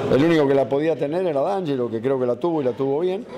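A fairly quick pace with ordinary pitch variation over noticeable background noise. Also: man. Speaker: football coach. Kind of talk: interview answer. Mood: disappointed, measured. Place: stadium. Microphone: handheld.

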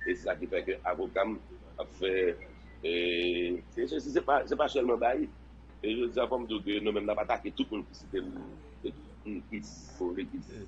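Big swings in loudness and long, frequent pauses mark this man's speech. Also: moderate pace. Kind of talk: phone interview. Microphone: line cutting out.

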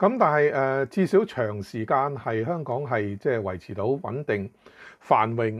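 A man with a Hong Kong accent speaks at a fairly slow pace with lively intonation over a quiet background. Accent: Hong Kong Cantonese. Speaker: news commentator. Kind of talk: news commentary monologue; news commentary. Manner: halting, many fillers. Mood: reflective, measured.

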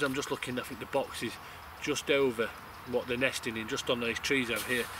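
Against noticeable background noise, a man speaks at a fairly quick pace, the sound dry with no echo. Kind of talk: casual vlog chat. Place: forest.

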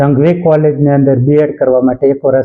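An unremarkable speaking voice from a man, fairly high in pitch with fairly even intonation. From Gujarat, Saurashtra (Botad/Bhavnagar area). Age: 50s. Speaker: primary school teacher. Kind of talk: interview.

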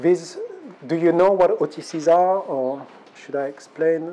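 A man with an ordinary speaking voice, fairly even intonation and a fairly slow pace. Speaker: tech innovation unit head presenting blockchain project. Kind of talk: meetup presentation with Q&A. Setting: stage with audience. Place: meeting room. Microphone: lapel.

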